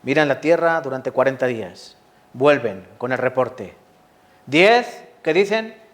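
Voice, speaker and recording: A man preaching a sermon, lively and full of rhetorical questions to the congregation. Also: mid-range voice, unhurried. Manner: lively, asks the audience rhetorical questions, acts out quotes.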